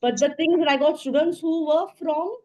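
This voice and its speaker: A woman with a fairly high voice and a Goan Indian accent speaks off the cuff as an interview guest. She explains things haltingly, repeating and reworking phrases as she goes. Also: fairly even intonation, warm tone. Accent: Goan Indian English. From Goa, India. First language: Portuguese and Konkani. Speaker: language teacher, interview guest. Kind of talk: spontaneous interview answers.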